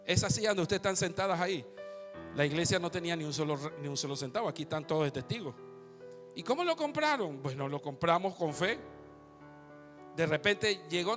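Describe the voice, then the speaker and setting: Male pastor, live sermon; animated, storytelling delivery; reverberant sanctuary. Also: high-pitched. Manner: animated preaching, storytelling to the congregation. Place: church sanctuary. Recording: long hall reverb, faint guitar behind.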